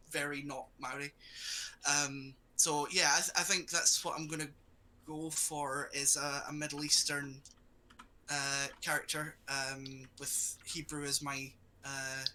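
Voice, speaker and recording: Guy with a really bright voice, lots of ums and restarts, kinda high, chatting while making a character. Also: slight background noise, rough recording. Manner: hesitant, thinks aloud with many ums and restarts. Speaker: player. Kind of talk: casual chat, building a character.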